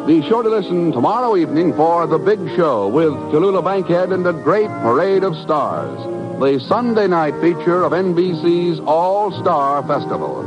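Old radio announcer: American man, polished and declamatory, lively inflection, muffled vintage broadcast over music. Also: a little high, normal speed.

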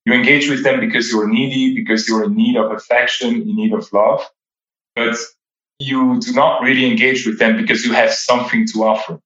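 A man's voice: medium pitch, steady tone, a little fast, fairly bright tone, echoey room, highs cut off. A man in his thirties whose first languages are French and Dutch, giving reflective interview answers and often repeating words while he searches for them. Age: 30s. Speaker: podcast guest.

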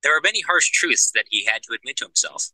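A man co-hosting a casual book discussion podcast, explaining the story in a steady, agreeable way. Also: mid-range voice, fast, dry recording, poor audio. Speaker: podcast co-host discussing a novel.

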